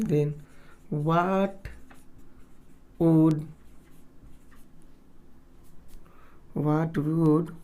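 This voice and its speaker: A man teaching a physics lesson. He keeps asking rhetorical questions and answering them himself, and he drags words out slowly while he writes. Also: a little high, dark tone. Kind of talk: classroom lecture.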